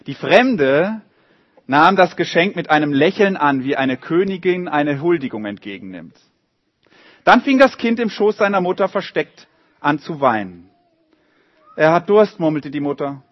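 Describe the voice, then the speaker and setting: A man reading a story aloud to a group of children and drawing pictures along with it, in a lively, animated way. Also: on the high side, normal speed, no echo, muffled recording.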